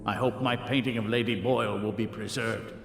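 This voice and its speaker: An actor playing a vain, charming court painter who drawls with wry self-regard. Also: male voice, lowish voice, fairly even intonation, brisk, gravelly, background noise. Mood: wry, musing. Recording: roomy reverberant game space.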